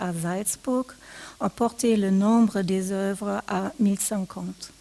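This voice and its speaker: A woman speaks at a medium pitch with a non-native accent. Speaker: provenance researcher at a museum. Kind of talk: lecture. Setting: seminar with live audience. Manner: formal; some hesitations.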